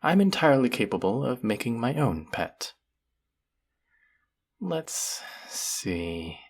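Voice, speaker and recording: A man's voice: mid-range voice, big pitch swings, slow, slightly rough, heavily acted. A man playing a cruel, powerful, vain sorcerer in a fantasy audio roleplay, speaking to the listener in a theatrical, menacing drawl. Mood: musing, scheming.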